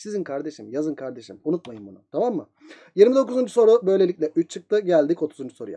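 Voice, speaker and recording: A man speaks at a high pitch with a dark, mellow tone. His voice has very wide pitch swings and big swings in loudness. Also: moderate pace, quiet background. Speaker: geometry teacher; math teacher. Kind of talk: lecture. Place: home room.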